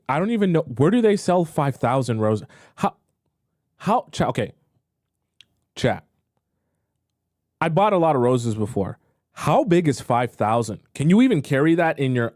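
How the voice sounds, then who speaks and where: A man coaching on dating during a livestream, reading viewer questions and reacting with animated disbelief. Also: fairly high pitch, no room sound, studio quality. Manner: animated, incredulous, talks to chat. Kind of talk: livestream advice talk.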